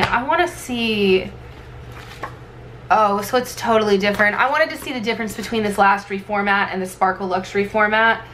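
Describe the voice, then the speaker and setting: A woman with a hoarse, sick-sounding voice that is giving out, chatting casually and thinking aloud as she records a vlog at her desk. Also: medium pitch, a bit bright. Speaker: planner vlogger and sticker shop owner. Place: indoors at a desk. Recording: clear background noise.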